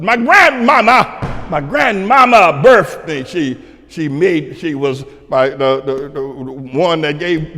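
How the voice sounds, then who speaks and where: Speaking to listeners of a broadcast, a Southern-accented preacher, an older man from North Carolina, alternates hushed remarks with loud, shouted proclamations. Chuckles punctuate his commentary, and the recording carries the lingering reverb of a large hall.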